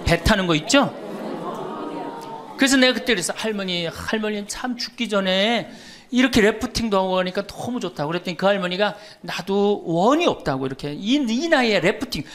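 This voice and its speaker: A middle-aged Catholic priest with a high, slightly bright voice gives a humorous lecture to an audience. He tells stories, quotes others, and teases his listeners.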